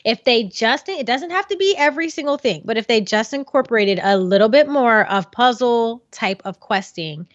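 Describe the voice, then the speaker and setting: Female podcast co-host, slightly high voice, gushing and chatty, muffled dry home-mic sound. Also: animated, normal speed, few pauses, dry recording. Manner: enthusiastic, gushing, laughs often. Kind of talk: casual podcast chat.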